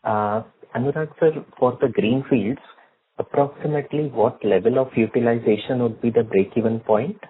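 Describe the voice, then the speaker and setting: A man's voice: mid-range voice, normal speed. A man politely asking questions as an analyst on an earnings call. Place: telephone conference call. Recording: narrowband phone line, faint noise.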